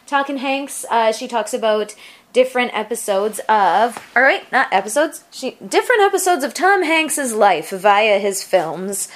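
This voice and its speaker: A woman's voice: a little high, lively intonation, unhurried, fairly bright tone. Chatty woman hosting a podcast. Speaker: podcast host. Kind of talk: casual chatty podcast talk.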